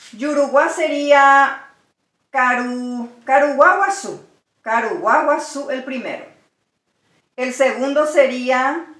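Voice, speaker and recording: A woman's voice: on the high side, fairly bright tone. A woman teaching a language lesson, patiently explaining words one by one. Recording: echoey room.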